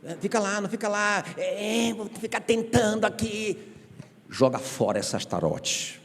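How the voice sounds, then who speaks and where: A male pastor preaching a sermon in an animated, conversational way, full of rhetorical questions and joking asides, in a church sanctuary. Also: high voice, normal speed. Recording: reverberant church hall.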